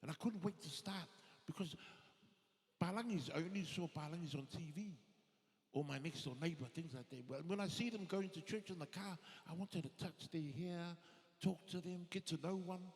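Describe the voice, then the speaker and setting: A man's voice: fairly high pitch, moderate pace. Laid-back Kiwi comedian in his fifties. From New Zealand, Samoan family. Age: 50s. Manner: laid-back, self-deprecating, many fillers. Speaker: stand-up comedian. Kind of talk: stand-up comedy set. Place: theatre stage. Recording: long hall reverb.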